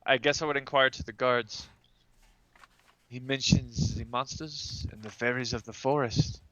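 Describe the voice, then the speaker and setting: Guy player in a tabletop game, forceful tense voice, kinda formal wording, lo-fi muffled mic. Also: mid-range voice, fairly even intonation, measured pace, no room sound. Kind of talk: in-character roleplay and game talk.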